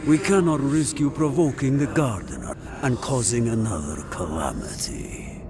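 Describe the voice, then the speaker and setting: Game antagonist, male actor: menacing zealot fighter, solemn, dramatic swings in pitch, noisy background. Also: big pitch swings, moderate pace, natural voice. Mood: grave threat. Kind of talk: video game voice acting.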